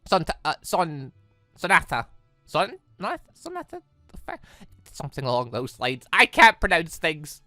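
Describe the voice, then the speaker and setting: A gaming YouTuber giving casual, rambling, expressive let's play commentary on a visual novel, speaking emphatically. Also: medium pitch, unhurried, dry recording. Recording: game music playing behind voice. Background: visual novel game music.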